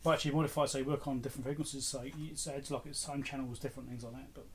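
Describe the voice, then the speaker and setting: Middle aged guy rambling to himself on a casual vlog, medium pitch, bit of noise and clicking behind him. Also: little pitch movement, very fast. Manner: musing, talking to himself. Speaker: host of an electronics repair channel. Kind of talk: casual off-the-cuff vlog commentary while sorting through items.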